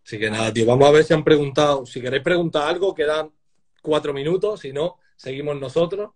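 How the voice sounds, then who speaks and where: Husky young man on a video call. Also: a little high, fast. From Spain. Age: 20s. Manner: relaxed, swears casually, laughs often. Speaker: powerlifter guest. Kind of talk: casual chat on a live video call. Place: small room indoors. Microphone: webcam on a video call.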